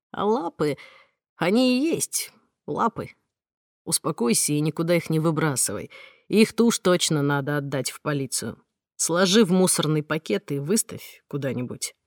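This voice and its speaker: Brief: woman playing a gentle, unhurried man speaking low and quiet. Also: no echo, studio quality. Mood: soothing. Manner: soft, low, steady. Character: calm, gentle man soothing a friend.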